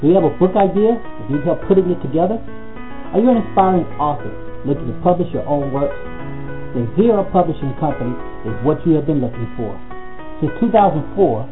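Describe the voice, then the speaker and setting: A man reading a scripted advertisement in a steady, promotional manner. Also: a little high. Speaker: advertisement announcer. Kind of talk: scripted ad read. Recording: tinny lo-fi line with music bed.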